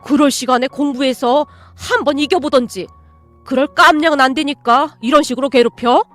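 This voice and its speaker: A woman voicing a quiet but protective male teacher who speaks earnestly, in a radio story reading. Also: high voice, brisk, no echo, faint music behind, natural voice. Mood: indignant. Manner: earnest, raising voice in defense.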